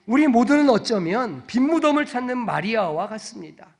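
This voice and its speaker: A male pastor delivers a Sunday sermon in a church with emphatic, dramatic swings between loud and soft. His voice is notably high for a man. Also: big pitch swings, normal speed, vocal fry. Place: church sanctuary.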